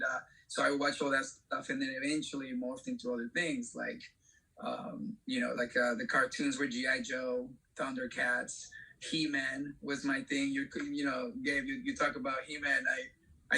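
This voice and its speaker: A middle-aged man from Venezuela, an actor speaking as a panel guest in a halting way, with many fillers. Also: medium pitch, bright, forceful tone, slightly rough, rough recording. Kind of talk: panel discussion.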